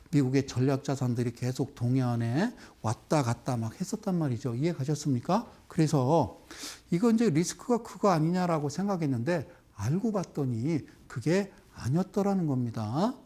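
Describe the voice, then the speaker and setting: A man giving a televised investment lecture as a stock market expert. He talks emphatically and keeps checking that listeners follow with quick rhetorical questions. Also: fairly high pitch. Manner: animated, with sudden exclamations and chanted sequences.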